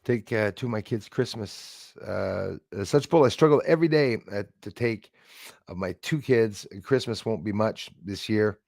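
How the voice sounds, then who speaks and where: A man's voice: fairly low pitch, unhurried, vocal fry, darkish tone, no echo, studio quality. A man in his sixties hosting a casual live stream, chatting in a rambling way and thanking viewers by name. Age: 60s.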